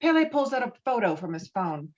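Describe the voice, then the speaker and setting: A woman's voice: medium pitch, sing-song, a little fast. A woman narrating stage directions from a film script at a virtual table read. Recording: dull, lo-fi video-call audio.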